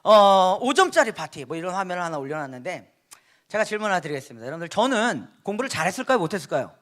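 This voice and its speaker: Guest preacher, man in his thirties, bright high voice, swings widely, storytelling sermon with questions to the crowd. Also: fast talker. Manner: animated storytelling, asks the audience questions, laughs along. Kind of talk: lively sermon to a youth congregation. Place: church sanctuary.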